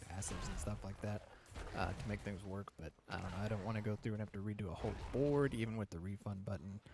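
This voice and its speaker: This man talks at a very fast pace in a fairly low pitch, with ordinary pitch variation and a somewhat breathy quality. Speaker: gaming youtuber. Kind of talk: game build tutorial. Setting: home recording at night. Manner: casual, filler-heavy. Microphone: microphone held very close.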